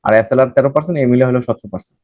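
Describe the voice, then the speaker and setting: A man's voice: medium pitch, rapid-fire, a little mellow, no room sound, muffled recording. A man from Bangladesh, giving a recorded banking lecture and repeating phrases as he explains. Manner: explains by repeating phrases, mixing in English terms, self-corrects. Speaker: banking exam tutor.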